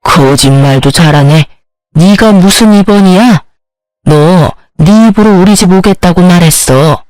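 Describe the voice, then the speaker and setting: A woman's voice: fairly low pitch, unhurried, a little mellow, no room sound, lightly acted. A woman voicing a harsh older mother-in-law who berates and insults her daughter-in-law in an audio story. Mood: scolding.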